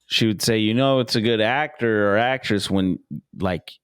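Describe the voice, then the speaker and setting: A man's voice: on the low side, moderate pace, clean tone, dry recording, clean studio sound. A man co-hosting a casual podcast, chatting loosely, laughing often and slipping into playful impressions. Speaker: podcast co-host. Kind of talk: casual chat.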